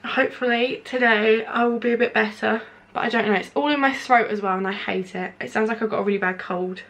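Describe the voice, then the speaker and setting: A woman's voice: fairly high pitch, steady tone, fast talker, creaky, a bit bright. Congested, chatty young woman vlogger. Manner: chatty, rambling, many filler "like"s. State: congested, nasal, sore throat from hay fever. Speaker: beauty vlogger. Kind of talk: casual product review while applying makeup. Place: indoors at home, window open.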